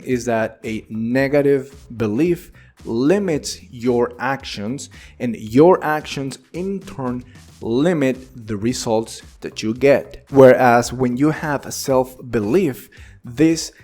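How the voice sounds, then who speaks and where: A man whose first language is Spanish, giving an earnest, encouraging English lesson straight to the viewer with animated delivery. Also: medium pitch. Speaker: English teacher. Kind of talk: direct-to-camera English lesson.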